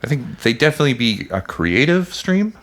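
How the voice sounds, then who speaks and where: A man's voice: mid-range voice, sing-song, brisk, fairly bright tone. A man talking casually as a podcast co-host.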